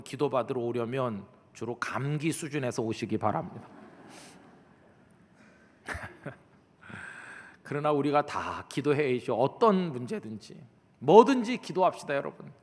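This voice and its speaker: A middle-aged man preaching a sermon as a pastor, talking to the congregation in a conversational way and acting out prayers and the voices of church members. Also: fairly high pitch. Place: large church sanctuary. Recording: long hall reverb.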